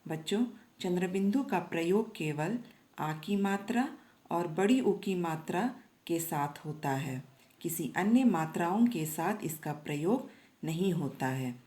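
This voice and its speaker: A woman teacher giving a patient reading lesson to young children, repeating each word clearly. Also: fairly low pitch, lively intonation, measured pace, dark tone. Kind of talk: slow classroom lesson reading aloud.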